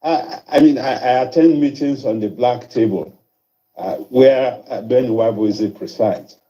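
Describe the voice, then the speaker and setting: A man from Nigeria speaking in an interview clip, arguing deliberately with some hesitations. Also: mid-range voice, mellow. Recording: dull lo-fi archive clip.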